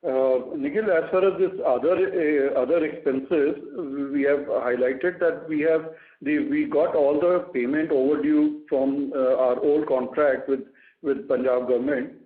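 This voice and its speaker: A man giving halting, matter-of-fact answers as a finance executive on an earnings call. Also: on the high side, fairly even intonation. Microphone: conference call phone. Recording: echoey narrowband phone line.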